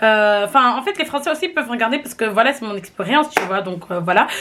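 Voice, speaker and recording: Animated in tone, a woman speaks at a fairly high pitch. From Belgium. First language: Dutch (speaking French). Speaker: vlogger. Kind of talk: casual vlog storytelling. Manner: fast.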